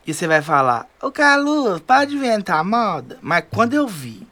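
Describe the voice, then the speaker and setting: A man's voice: high voice, normal speed, exaggerated voice. An actor with a rural northern Minas Gerais accent playing a folksy, superstitious male riverboat guide in an audio drama, talking colloquially. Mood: uneasy. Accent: Brazilian, rural northern Minas Gerais. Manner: colloquial, animated storyteller.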